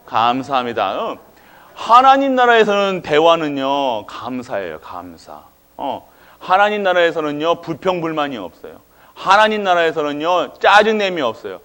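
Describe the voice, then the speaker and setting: A man's voice: fairly high pitch, big pitch swings, moderate pace, fairly bright tone. A male pastor preaching a sermon in a church, often quizzing the congregation and waiting for their answers. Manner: quizzes the congregation with call-and-response questions.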